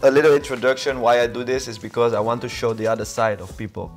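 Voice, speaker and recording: A man hosts a casual podcast interview. He asks friendly questions, sometimes restarting a sentence. Faint music plays behind his mid-pitched voice. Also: level tone, fast talker. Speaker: podcast host.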